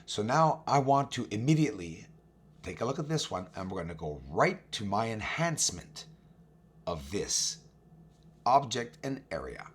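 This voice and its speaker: A man with a hoarse, raspy, recovering voice hosts an informal walkthrough of images, talking emphatically and directly to his viewers. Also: fairly low pitch, big pitch swings, moderate pace, slight background noise. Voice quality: raspy, husky. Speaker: video host, amateur telescope observer.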